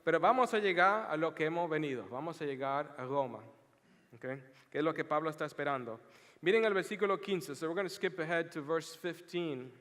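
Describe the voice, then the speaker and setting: A man with a notably high voice preaches to his congregation, reading scripture and breaking into joking, animated storytelling. The voice carries a long reverb that trails after his words, as in a large church hall. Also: a little fast. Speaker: pastor. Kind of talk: bilingual sermon with scripture reading. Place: church sanctuary.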